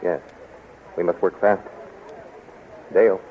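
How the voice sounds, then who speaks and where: An actor playing a steady, urgent captive hero in a 1930s radio drama. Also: male voice, sits low, slow. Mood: guarded, commanding. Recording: tinny, noisy 1930s radio recording.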